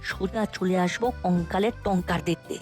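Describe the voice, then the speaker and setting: A woman voicing a naughty, eager ten-year-old boy in a cartoon, playful and animated. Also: lowish voice, a little fast, soft background music, lightly acted.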